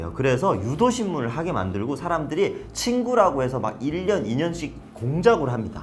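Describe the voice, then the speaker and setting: Very wide pitch swings at a moderate pace with hardly any pauses, over noticeable background noise. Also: man, fairly high pitch for a man. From North Korea. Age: young. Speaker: North Korean defector YouTuber. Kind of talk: casual talk to camera.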